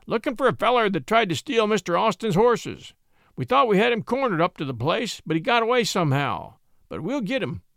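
A man's voice: sits high, very animated, brisk, gravelly, a bit bright, no echo, clean studio sound, voice pushed up, heavily acted. A man voicing a brash, nosy rural deputy in an audiobook, folksy and insistent. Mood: eager, boastful.

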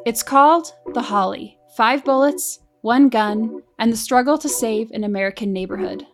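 A woman filling in as podcast host, reading a scripted introduction in a crisp announcer style. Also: fairly high pitch, normal speed. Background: music.

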